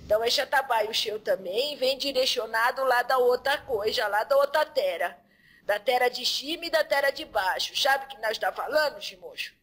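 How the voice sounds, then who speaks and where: Woman as jovial male spirit entity, higher pitched, drawls and chuckles, down-home talk. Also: fairly bright tone. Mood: earthy, chuckling. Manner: drawling, folksy speech, calls listener "filho"; slow, laughing between phrases. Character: laughing male spirit Exu speaking through a medium. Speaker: medium channeling an entity.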